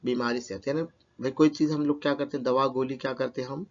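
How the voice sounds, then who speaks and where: A male teacher works through a poem line by line for his students, asking questions aloud and answering them himself. His pitch sits at an ordinary middle level for a man. The recording sounds dull and lo-fi. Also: fairly even intonation, a little mellow. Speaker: Urdu teacher.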